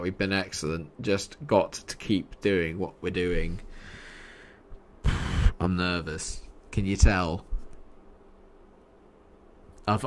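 A young man streaming a football management game, talking through his nerves, yelling at the match and then muttering to himself. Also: lowish voice. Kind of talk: live reactions while playing a football management game.

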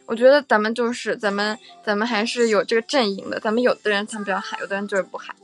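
A woman's voice: medium pitch, steady tone, quick pace, faint music behind. A young woman hosting a casual livestream, chatting with viewers in a playful, teasing way and often repeating her phrases. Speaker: livestream host.

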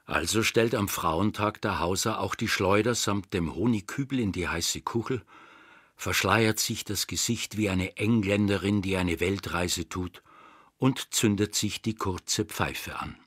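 A man's voice: sits low, unhurried, fairly bright tone, slightly rough, no echo, studio quality. A man reading scripted literary narration for an audiobook. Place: dry studio.

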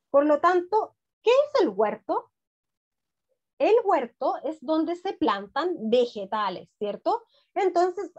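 A middle-aged woman teaching young children an online class, encouraging and full of questions. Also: high voice. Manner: encouraging, asks many questions. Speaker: primary school teacher. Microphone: video call. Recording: dull lo-fi video call audio.

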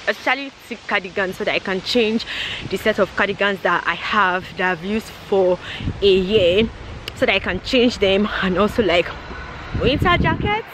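A young woman with a Nigerian accent chatting casually to camera as she walks outside, filming at arm's length in an animated manner. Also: mid-range voice, moderate pace. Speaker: vlogger. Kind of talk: casual vlog chat to camera. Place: outdoors on a grassy path by railway. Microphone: handheld camera at arm's length. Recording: outdoor noise, passing traffic ambience.

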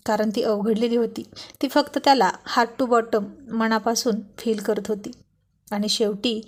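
A woman narrating a romance serial with steady, expressive reading. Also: fairly high pitch. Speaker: storyteller.

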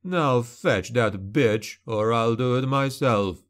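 A man voicing an arrogant young nobleman bully in an audiobook, snarling and mocking with a slight drawn-out lisp. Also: medium pitch, close to an everyday voice. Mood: hostile.

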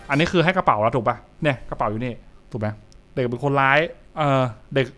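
A man's voice: medium pitch, fast, fairly bright tone. A young adult man, giving casual live reaction commentary and repeating short phrases as he thinks aloud. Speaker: streamer reacting to horror comics. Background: music.

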